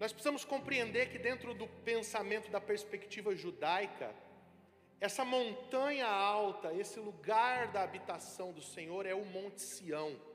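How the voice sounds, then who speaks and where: Audible room echo surrounds a man's high-pitched voice. He speaks at a fairly slow pace. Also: ordinary pitch variation. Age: 30s. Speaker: pastor. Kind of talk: sermon. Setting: church. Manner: impassioned.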